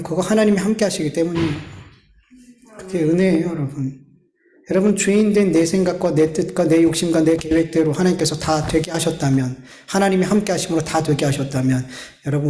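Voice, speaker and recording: A man's voice: fairly high pitch, brisk, dark tone. A man preaching a sermon as a pastor, earnest and pleading, often turning to address his congregation directly. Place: church sanctuary. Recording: echoey church hall.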